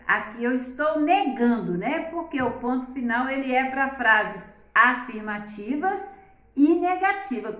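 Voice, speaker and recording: Slow, high-voiced woman teaching. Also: a bit bright, echoey room. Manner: exaggerates intonation in examples, frequent "né?" tags. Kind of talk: slow, deliberate classroom explanation.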